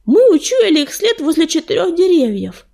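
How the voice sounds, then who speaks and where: A woman voicing an excitable warrior tomcat. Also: extremely high pitch, normal speed, creaky, pitched above the performer's own voice, full character voice. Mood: excited. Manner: excited, breathless. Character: male warrior cat, excitable scout.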